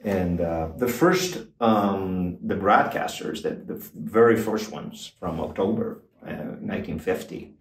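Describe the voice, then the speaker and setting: An older man, a guitar expert guest, explaining in a casual, halting way with many fillers and restarts, in a small backstage room. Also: low-pitched, distant mic. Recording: roomy, off-mic, faint noise.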